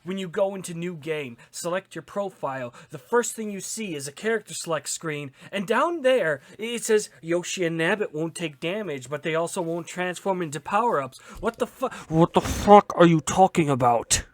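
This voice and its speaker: A man's voice: sits high, expressive, moderate pace, few pauses, no echo. A man reading a written article aloud as a host, in an exaggerated, mock-serious theatrical delivery.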